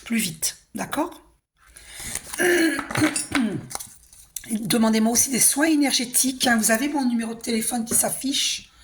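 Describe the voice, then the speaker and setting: A hoarse woman giving a casual, reassuring spiritual card reading, often clearing her throat and asking "d'accord?". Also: a little high, a little slow, long pauses, noisy background. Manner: chatty, reassuring, tag questions like hein and d'accord. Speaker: tarot and oracle card reader.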